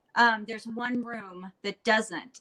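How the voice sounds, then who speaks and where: In an American accent, a woman speaks with a fairly high pitch and a bright, sharp tone. Her pace is fairly slow. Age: 50s. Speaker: animal trainer and snake keeper. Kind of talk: casual chat.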